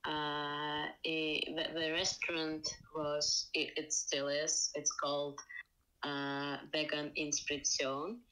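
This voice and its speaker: A woman with a deep voice speaks slowly in a completely flat yet bright, forceful tone, on a low-quality recording. Russian-accented and using English as her third language, she's a podcast guest in Estonia, chatting casually in an interview, hesitant and full of fillers and restarts.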